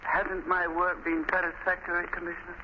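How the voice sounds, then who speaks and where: Actor as mild, hesitant old doctor, highish voice. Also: male voice, completely flat delivery, brisk, close to an everyday voice. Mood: anxious, pleading. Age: older. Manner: polite, hesitant, pleading. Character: mild, anxious old medical examiner, loyal to his job. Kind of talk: 1930s radio drama acting. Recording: noisy, muffled 1930s radio recording.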